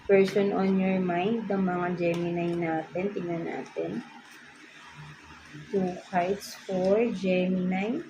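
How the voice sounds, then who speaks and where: A woman's voice: on the low side, little pitch movement, slow. A woman with a Filipino accent giving a casual tarot reading, chatty and ending almost every phrase with a questioning "no?". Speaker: tarot reader. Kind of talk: casual tarot reading, mixing Tagalog and English. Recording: clear background noise.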